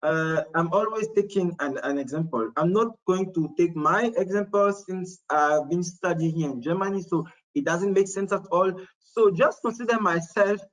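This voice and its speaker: High-voiced man walking through a website. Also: low-quality recording. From Morocco. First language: not English. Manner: halting, many restarts and fillers. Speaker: webinar presenter. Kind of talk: screen-share demo talk.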